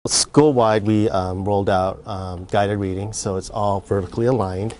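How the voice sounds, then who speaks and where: Low-voiced halting school administrator man. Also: fairly even intonation, a little mellow. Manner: halting, many fillers. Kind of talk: interview answer.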